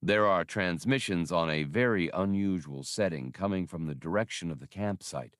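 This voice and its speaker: A man voicing a polite, literal-minded labor droid in an audiobook, speaking in a formal, measured way. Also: deep voice, a bit bright, no echo, studio quality. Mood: calm, reporting. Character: polite, dutiful male-voiced labor droid, deferential and literal.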